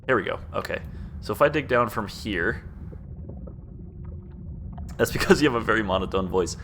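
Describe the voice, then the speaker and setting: A young man with a fairly low voice talks through his game in a flat, laid-back monotone, as if chatting to himself. He speaks into a desk mic. A faint background ambience hangs behind him. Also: moderate pace, a little hiss or hum. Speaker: game streamer. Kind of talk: casual gameplay commentary.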